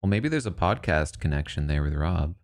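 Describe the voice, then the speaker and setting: A man's voice: a bass voice, animated, a little fast. A man casually commenting and thinking aloud as he reacts to news about a reality show cast. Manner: musing, thinks aloud, asides.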